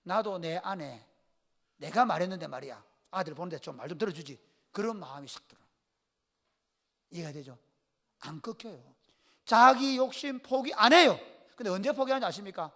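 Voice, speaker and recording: A pastor with a Gyeongsang accent delivers a folksy sermon, joking with his congregation and calling on people by name. His voice sits high for a man and swings widely in pitch, with a bright, sharp edge. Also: moderate pace, pauses often. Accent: Gyeongsang Korean. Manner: lively storytelling, calls on listeners by name; colloquial, jokes with the congregation.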